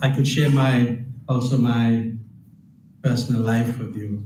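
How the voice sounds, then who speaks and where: Over audible room echo, a man speaks at a fairly slow pace in a medium pitch with fairly even intonation. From South Africa. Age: 60s. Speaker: Hare Krishna preacher. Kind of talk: religious talk. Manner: hesitant.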